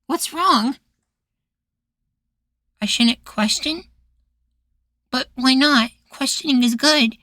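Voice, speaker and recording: A woman acts out a sweet, meek young boywife in a sci-fi ASMR roleplay. The voice sits fairly high and is recorded very dry and close. The delivery is hesitant and curious, often trailing into timid questions. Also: slow, pauses often, no echo, exaggerated voice. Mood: reluctant. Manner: hesitant, soft-spoken pleading, trailing questions.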